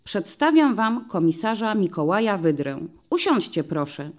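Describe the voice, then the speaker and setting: A woman voicing a calm, measured female primary school teacher in an audiobook story. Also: mid-range voice, close to an everyday voice. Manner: measured, restrained.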